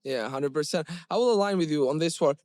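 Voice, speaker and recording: A man's voice: fairly high pitch, quick pace, darkish tone, no room sound, studio quality. A man hosting a business podcast, asking long, rambling questions and agreeing with his guest. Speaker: podcast host. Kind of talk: interview questions.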